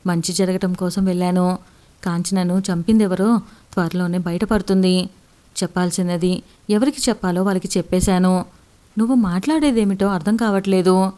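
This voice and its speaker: A woman's voice: lowish voice, fairly even intonation, normal speed, warm tone, lightly acted. A woman narrator voicing a worried but determined young working woman, speaking earnestly. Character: young woman worker, anxious but resolute.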